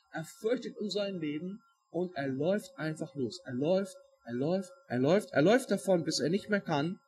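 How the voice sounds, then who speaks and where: A man preaching a sermon, expressive and dramatic, acting out quoted voices with shifting loudness. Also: sits high.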